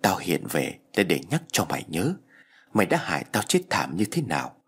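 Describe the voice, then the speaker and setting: A man's voice: wildly swooping pitch, husky, full character voice. Man voicing a vengeful young woman's ghost. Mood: menacing. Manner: slow, low, menacing.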